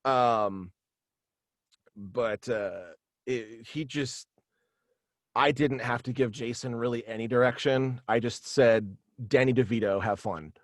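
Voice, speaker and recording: A young adult man, a voice actor and writer, is an interview guest on a video call from a small room at home, chatting casually and rambling with frequent "like"s. His mid-range voice is slow, studio quality, with no room sound.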